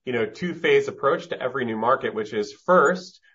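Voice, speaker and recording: A man's voice: mid-range voice, lively intonation, a little fast, fairly bright tone, slightly rough. A man speaking as a company executive, methodically explaining business strategy with emphasis and plenty of jargon. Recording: dull, lo-fi conference-call audio.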